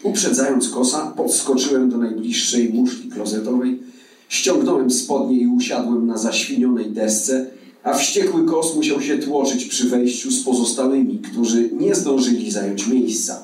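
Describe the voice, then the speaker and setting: A man's voice: mid-range voice, normal speed, darkish tone. A male actor reading a novel aloud at a live event, telling it with a wry, ironic touch. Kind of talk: dramatic literary reading. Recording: echoey hall from far off.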